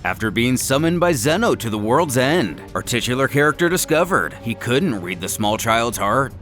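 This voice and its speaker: A man giving an animated, dramatic scripted narration of a manga story, as a narrator and host. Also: mid-range voice, moderate pace, soft background music.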